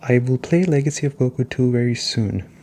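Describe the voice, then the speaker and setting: A soft-spoken man hosting a gaming review as a gentle, unhurried, casual ASMR chat. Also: mid-range voice. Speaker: gaming reviewer and video host.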